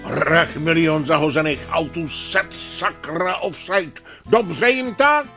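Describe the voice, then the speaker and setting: A man's voice: on the high side, pushed and bright, soft background music. A man voicing a boisterous old father of a football team, bellowing and gloating in a storybook reading.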